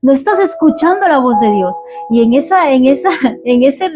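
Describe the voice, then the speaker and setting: A woman delivers a testimony-style sermon, exhorting her listeners and hammering home her points by repeating them. Her voice sits somewhat high. Gentle music plays clearly behind her throughout. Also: animated, moderate pace. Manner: earnest, exhorting, repeats phrases for emphasis. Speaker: preacher.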